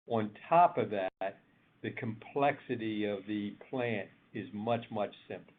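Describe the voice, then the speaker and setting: A man speaking as a senior executive on an earnings call, answering in deliberate, halting phrases. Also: on the low side. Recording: tinny phone conference line.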